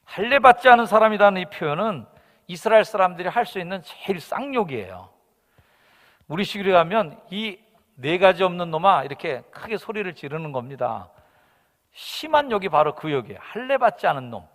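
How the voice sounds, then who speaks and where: Korean pastor preaching in an echoing sanctuary. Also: male voice, high voice, very animated, fairly quick. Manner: emphatic preaching that swings between shouts and soft asides. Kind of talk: sermon. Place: church sanctuary. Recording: long hall reverb.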